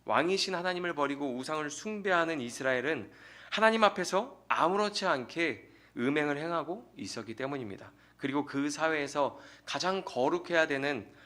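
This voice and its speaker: Bright-voiced man preaching a sermon. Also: on the high side. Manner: earnest preaching with rhetorical questions to the congregation. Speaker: pastor. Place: church sanctuary.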